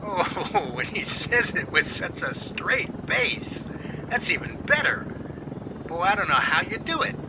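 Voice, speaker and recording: A man's voice: high voice, big pitch swings, measured pace. A man playing an incredulous, wisecracking helicopter crewman with exaggerated disbelief in an amateur audio drama. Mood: amused disbelief. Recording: noisy radio-drama track with aircraft-like ambience.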